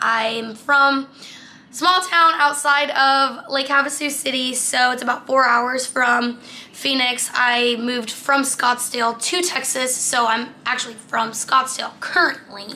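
A woman's raised, projected voice at a fairly slow pace, with fairly even intonation and light background noise. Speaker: vlogger. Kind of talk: casual vlog chat. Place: home room. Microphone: phone near.

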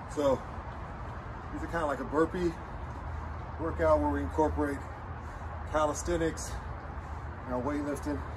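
A man talks at a moderate pace with noticeable background noise behind him. He leaves long, frequent pauses. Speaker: fitness channel host. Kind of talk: casual workout tutorial. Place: garden. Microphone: camera far.

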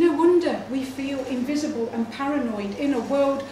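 Audible room echo surrounds a woman speaking at a fairly slow pace in a slightly mellow tone.

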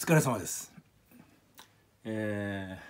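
At a very slow pace, a man speaks in a fairly low voice. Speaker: video creator. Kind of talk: casual vlog chat. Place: home room. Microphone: phone near.

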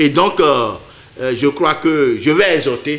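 A man's fairly high voice moves with lively intonation as he talks at a fairly slow pace. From Benin. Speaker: local politician. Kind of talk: political speech. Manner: halting, many hesitations. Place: home room.

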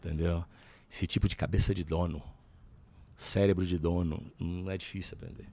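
With long, frequent pauses, a man speaks in a very deep, low, dark and mellow voice with monotone, flat intonation and a dry sound with no echo. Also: moderate pace. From Belo Horizonte, Minas Gerais, Brazil. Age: 50s. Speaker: business executive and board adviser; podcast guest, speaker. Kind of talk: casual interview. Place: studio. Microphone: studio mic.

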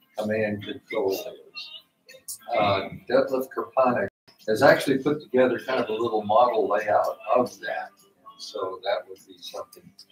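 With faint music in the background and audible room echo, a man speaks at a fairly slow pace with big swings in loudness. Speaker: workshop host. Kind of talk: announcements and speaker introduction. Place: shop. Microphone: camera far.

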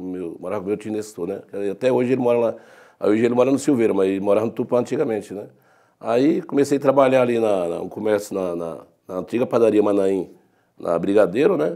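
Dark, mellow male tone over a quiet background. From Brazil, Piauí (São Raimundo Nonato); Piauí, Brazil. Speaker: city councillor; council guest. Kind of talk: interview. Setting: studio. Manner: halting. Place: studio.

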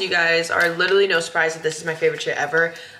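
Flat, monotone intonation marks this woman's speech. Room echo is audible over light background noise. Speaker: lifestyle vlogger. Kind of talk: casual vlog chat, sponsor read. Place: kitchen. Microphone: camera far.

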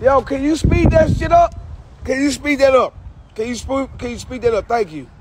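A man's extremely high-pitched voice with big swings in loudness, over noticeable background noise. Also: ordinary pitch variation. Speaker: fitness instructor. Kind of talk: live group fitness class coaching. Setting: gym with a group. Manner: loud, fast, bossy, barking commands; joking, profane, animated.

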